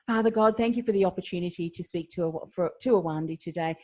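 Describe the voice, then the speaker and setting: A woman hosts a faith-based business podcast in an encouraging, affirming way. Her voice sits a little low for a woman, and she is from Australia. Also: fast talker, warm tone. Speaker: podcast host. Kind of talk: interview podcast with closing prayer.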